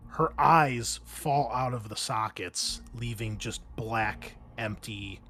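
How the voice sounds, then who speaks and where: A man working as game master, narrating a tabletop horror game in vivid, gory detail with dramatic pauses. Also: mid-range voice, bright, forceful tone, slight background noise.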